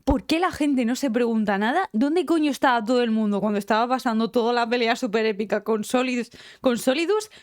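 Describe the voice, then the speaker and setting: A woman's voice: on the high side, fast talker, few pauses, no echo, studio quality. A woman with a Spain Spanish accent chatting casually on a live stream, teary after crying, emotional and rambling and swearing freely. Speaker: game streamer.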